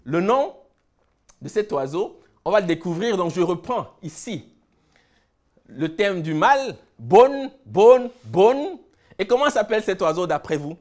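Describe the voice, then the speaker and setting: A man from Cameroon giving a lecture, listing words slowly and then explaining them with emphasis. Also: high voice, expressive. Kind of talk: lecture on word roots.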